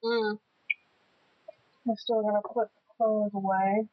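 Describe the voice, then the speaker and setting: A woman co-hosting a casual chat at home, playfully asking quick personal questions. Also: medium pitch, flat delivery. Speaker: podcast co-host. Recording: muffled lo-fi home recording, faint hiss.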